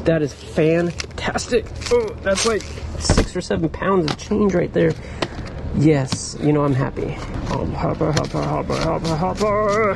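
An upbeat, chatty man talks to viewers while digging through boxes outdoors, bursting into excited exclamations at his finds. His voice sits a little high for a man. Clear outdoor noise and the hum of passing vehicles run behind him. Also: unhurried. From California, USA. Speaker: storage locker reseller vlogger. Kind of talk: casual chat to camera while sorting boxes. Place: outdoors at a storage unit row. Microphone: head-mounted camera.

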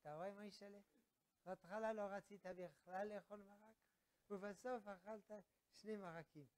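A man's voice: high voice, steady tone, a little mellow, close to an everyday voice. A man playing a bossy doting Jewish mother. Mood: coaxing. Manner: coaxing, insistent.

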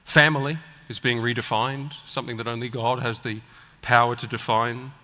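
A man preaching a sermon to a live audience with an emphatic, deliberate delivery and rhetorical pauses, in a large hall. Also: medium pitch, flat delivery, pushed and bright. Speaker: preacher and guest speaker at a church conference. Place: large indoor auditorium, speaking on stage. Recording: echoey large hall with long reverb.

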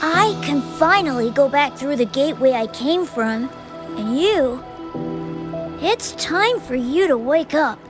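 A woman's voice: sits high, expressive, a little slow, over music. A woman voicing a mysterious white cat spirit who guides the player, with a coy, secretive, teasing manner.

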